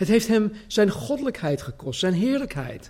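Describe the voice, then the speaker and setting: A man's high-pitched voice, dark and mellow in tone, with very wide pitch swings. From US West Coast (California). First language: English (speaking Dutch). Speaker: pastor. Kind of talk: sermon. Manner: hesitant, many fillers and repetitions.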